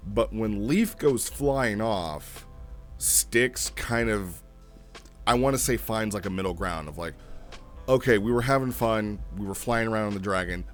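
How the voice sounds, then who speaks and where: Male reviewer, lowish pitch, loose off-the-cuff delivery that wanders, music underneath. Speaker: host reviewing a text role-play log. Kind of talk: casual unscripted commentary.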